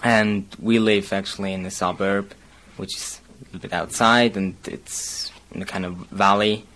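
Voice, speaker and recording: A man's voice: fairly low pitch, fairly even intonation, a bit bright, a little hiss or hum. A young man from Basel with a Swiss German accent, whose first language is German. He reads a short passage and then talks casually, hesitating often and chuckling between phrases. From Basel, Switzerland. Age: young adult. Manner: hesitant, frequent pauses and fillers. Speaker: university student.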